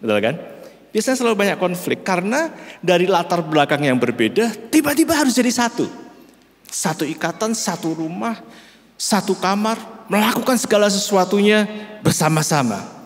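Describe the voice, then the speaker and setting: A middle-aged male pastor with a Central Javanese accent preaches in a slow, measured way and keeps addressing his listeners directly. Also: high-pitched, very animated. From Central Java, Indonesia. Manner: slow, measured delivery, often calls listeners "brother". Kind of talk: sermon. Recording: reverberant church hall.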